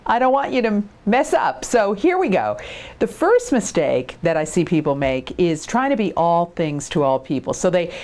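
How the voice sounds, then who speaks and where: A woman coaches in a conversational, instructional style. Her voice sits slightly low and moves through lively, wide swings of intonation. She is direct and encouraging, addressing the listener like a seasoned trainer. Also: moderate pace. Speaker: voice-over coach and host; professional voice talent. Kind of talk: instructional talk to camera, conversational.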